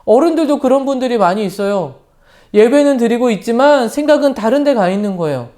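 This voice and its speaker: Animated high-voiced male children's pastor. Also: brisk. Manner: animated storytelling, asks kids questions. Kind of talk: children's sermon. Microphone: lapel mic.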